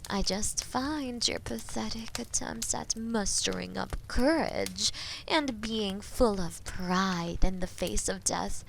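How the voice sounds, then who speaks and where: A woman playing a haughty, menacing female dragon in an audio roleplay, imperious and mocking, with a breathy voice that often drops into whispers. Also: mid-range voice, fairly bright tone, slight background noise, exaggerated voice. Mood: amused menace. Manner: imperious, mocking, slow and deliberate. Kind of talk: scripted audio roleplay addressed to listener.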